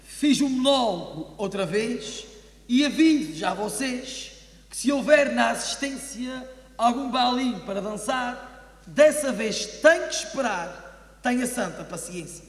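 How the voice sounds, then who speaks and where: A man's voice: extremely high pitch, lively intonation, measured pace. A man performs a rhymed comic stage monologue in a theatrical, declamatory way. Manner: theatrical, declamatory verse delivery. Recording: echoey hall with long reverb.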